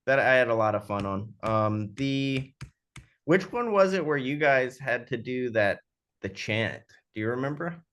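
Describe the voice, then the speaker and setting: A man speaking casually and haltingly as a sound designer in an interview, thinking aloud as he explains. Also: mid-range voice, lively intonation, fairly bright tone.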